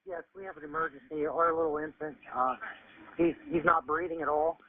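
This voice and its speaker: A man's voice: on the high side, fairly even intonation, brisk. A distressed, panicked man making an urgent emergency call over a tinny phone line. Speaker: emergency caller.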